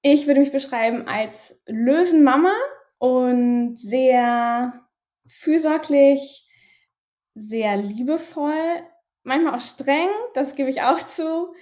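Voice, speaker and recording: A woman's voice: high-pitched, slow pace, a little mellow. A woman in her thirties from Berlin, raised bilingual in German and French, telling her story candidly as an interview guest, hesitant and full of fillers. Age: 30s. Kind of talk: personal interview.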